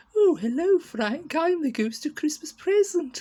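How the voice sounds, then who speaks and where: High pitch and moderate pace in a put-on character voice. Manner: light-hearted, twinkly.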